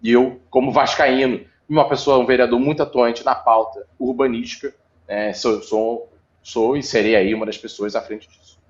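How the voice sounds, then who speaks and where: A man's voice: mid-range voice, steady tone, normal speed. A man, speaking as a city councilman in an interview. He explains patiently, with frequent fillers, in a mid-range voice. The audio is slightly dull. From Brazil. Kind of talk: interview answers.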